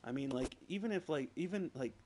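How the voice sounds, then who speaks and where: Talking a little fast in a slightly high, expressive voice, a gameplay streamer offers rambling, crude let's-play commentary full of "like" and swearing. His PS4 streaming mic picks up a noisy home recording.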